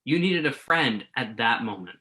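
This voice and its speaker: Earnest, self-doubting male journalist for a play reading, acted by a man; crisp bright tone, very varied pitch. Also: lively intonation, normal speed. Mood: earnest, apologetic. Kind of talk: virtual staged play reading.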